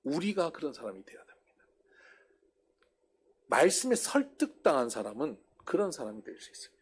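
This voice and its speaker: A male pastor delivers a sermon lecture in a high voice that swings widely in pitch. He keeps putting questions to the congregation and answering them himself. When he quotes people, he acts them out with his voice raised. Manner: asks the congregation rhetorical questions.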